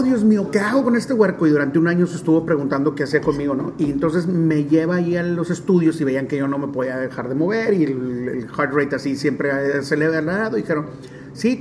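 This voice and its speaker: A man in his forties from Monterrey with a northern Mexican accent, telling stories in an interview in a chatty, animated way with many fillers. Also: a little high, a little hiss or hum. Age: 40s. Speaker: stadium DJ and announcer. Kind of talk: relaxed storytelling interview.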